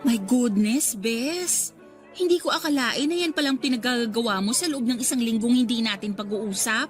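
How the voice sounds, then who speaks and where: An actress playing an exasperated, protective best friend in a radio drama, with a Filipino accent and scolding, probing questions. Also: female voice, on the high side, moderate pace, natural voice. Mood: incredulous. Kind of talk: Tagalog radio drama acting. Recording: music faintly underneath.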